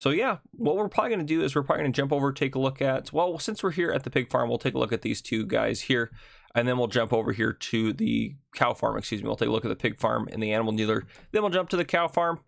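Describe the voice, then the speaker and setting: A man hosting a casual video game map tour, chatty and thinking aloud, his voice gravelly from just waking up. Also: mid-range voice, dry recording, studio quality. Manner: chatty, thinks aloud with ums and quick asides. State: gravelly morning voice. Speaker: gaming channel host.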